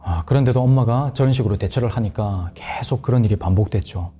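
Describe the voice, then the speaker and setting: Low, dark-voiced man telling a ghost story. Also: fast, husky, lo-fi sound, faint music behind. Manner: hushed, dramatic storytelling that drops to a murmur. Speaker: guest storyteller on a horror talk show.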